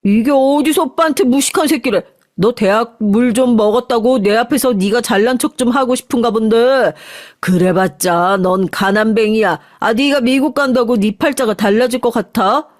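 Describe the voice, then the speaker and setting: A woman's voice: on the high side, moderate pace, no echo, studio quality, natural voice. A woman voicing a rude, greedy young man who bullies his younger sister. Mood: sneering. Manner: sneering, bullying. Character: rude greedy young adult older brother.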